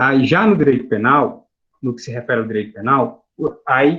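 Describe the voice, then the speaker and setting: Speaking in a normal speaking voice, the speaker keeps a moderate pace and ordinary pitch variation. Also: man. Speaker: university student. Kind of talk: class presentation.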